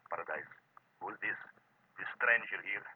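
An actor playing a panicky, fussy, cowardly foreign prince in a 1940s radio drama, repeating himself nervously. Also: male voice, sits low, moderate pace, slightly rough. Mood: outraged, panicky. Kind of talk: 1940s radio character acting. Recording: muffled old radio recording.

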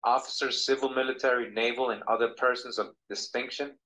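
A man reading passages aloud from a book in a measured way, played back in a video. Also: medium pitch, steady tone, pushed and bright, low-quality recording.

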